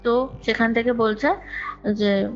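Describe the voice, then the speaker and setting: A woman with a fairly high voice recounts her own experience in a chatty, emphatic way. She often repeats phrases and drops in English words. The sound is a dull, lo-fi call recording with music playing underneath. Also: steady tone, slow pace. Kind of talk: conversational personal storytelling.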